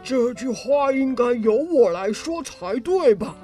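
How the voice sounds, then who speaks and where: A quick-tempered swindler who barks accusations and refuses to back down, played by a woman in a storybook reading. His voice is raised and somewhat high, with music clearly playing underneath. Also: animated. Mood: furious. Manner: accusing, loud and indignant. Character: hot-tempered male con man, blustering. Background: background music.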